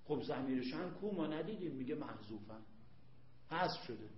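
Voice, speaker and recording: A man's voice: mid-range voice, expressive, slight background noise. A man teaching an Arabic grammar lesson, emphatic, repeating points and quizzing his students. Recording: echoey room, dull lo-fi sound.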